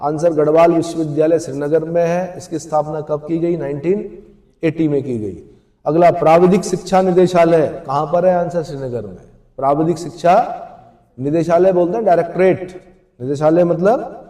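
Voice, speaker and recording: A man's voice: a little high, moderate pace, warm tone, echoey room. A man teaching an exam coaching lecture, who asks questions and then answers them himself.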